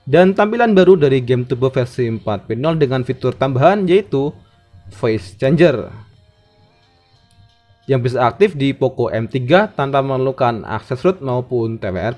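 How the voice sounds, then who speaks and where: A man's voice: medium pitch, lively intonation, moderate pace, a little mellow. A man hosting a tech tutorial in methodical, scripted narration. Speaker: tech channel host. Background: background music.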